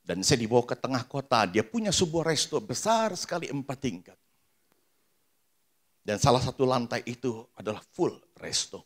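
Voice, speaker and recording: A man preaching as a pastor in a church service. He tells a story with lively dialogue, moving between hushed asides and loud bursts. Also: medium pitch, moderate pace. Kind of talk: storytelling sermon.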